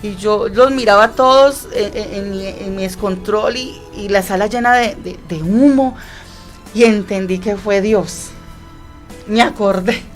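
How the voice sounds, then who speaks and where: A woman's voice: mid-range voice, a little slow, faint music behind. A woman, telling an emotional personal testimony on a Christian radio program and repeating phrases for emphasis. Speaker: guest sharing her testimony.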